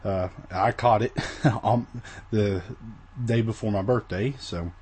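Guy doing a bible lesson, kinda husky and low, weak voice after being sick, lots of ums and restarts. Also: takes it slowly, a little mellow. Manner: casual, rambling, many fillers and restarts. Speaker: Bible study teacher.

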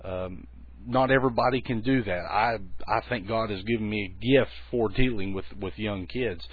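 A man's voice: normal speed, breathy edge, dry recording. A man, giving a folksy, conversational teaching talk on children's ministry. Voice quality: bass voice. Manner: folksy, conversational, many restarts. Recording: tinny phone-like lo-fi recording.

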